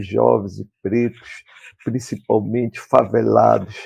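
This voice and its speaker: A dark, mellow tone with fairly even intonation at a fairly slow pace, over a quiet background. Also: man. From Brazilian Amazon. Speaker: human rights activist. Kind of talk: tribute testimony.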